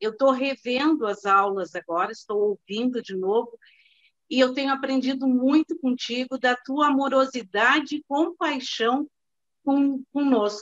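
A high-pitched woman's voice at a fairly slow pace, with ordinary pitch variation, dry sound with no echo and a quiet background. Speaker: course participant giving testimonial. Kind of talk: testimonial in an online class. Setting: video call. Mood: grateful, warm, emotional. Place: home room. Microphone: video call.

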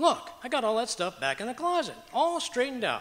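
Faint background noise behind a man's put-on character voice, extremely high in pitch and fairly bright in tone, with very wide pitch swings and a fairly quick pace

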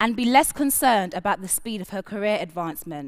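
Very wide pitch swings from a woman at a moderate pace, over a quiet background. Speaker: conference speaker. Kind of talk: prepared talk telling a workplace story. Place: stage. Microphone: headset.

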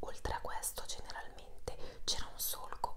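Someone whispers at a moderate pace. Loud background noise runs underneath. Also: woman. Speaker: ASMR creator. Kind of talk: audiobook reading. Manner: whispered. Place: home room. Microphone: lapel.

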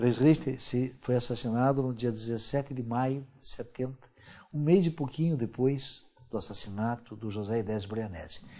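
Fairly slow talking from a man, in a normal speaking voice at medium pitch with ordinary pitch movement. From northern Paraná, Brazil. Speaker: former political prisoner. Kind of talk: testimony.

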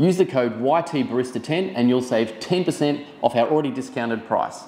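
A man speaks at a fairly quick pace. Audible room echo surrounds his voice. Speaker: coffee channel host. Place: kitchen.

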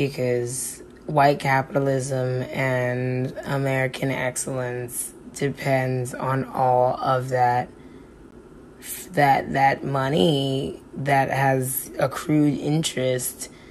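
Light background noise sits behind a woman's very deep, low pitch. She speaks at a very slow pace in a monotone with flat intonation. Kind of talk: casual selfie monologue. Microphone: phone near.

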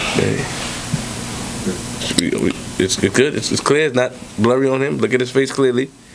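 There is noticeable background noise behind this man. He speaks with long, frequent pauses. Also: ordinary pitch variation, fairly slow pace. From New York. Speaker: podcast host. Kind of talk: casual chat. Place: studio. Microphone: studio mic.

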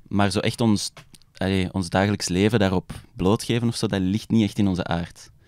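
Monotone, flat intonation comes through in a dry sound with no echo over a quiet background. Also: man, fairly low pitch for a man, moderate pace, very even loudness. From Belgium, Antwerp; Belgium. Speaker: rapper and singer; guest. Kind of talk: casual interview chat. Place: studio. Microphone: studio mic.

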